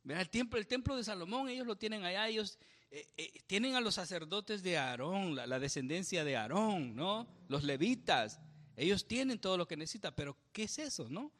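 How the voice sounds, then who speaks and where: A man's voice: high-pitched, expressive, a little fast, fairly bright tone, in a large hall. A man giving a conversational Bible study sermon, often checking in with the congregation and laughing at his own slips. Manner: conversational, asks the congregation questions with frequent tag "¿verdad?". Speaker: pastor.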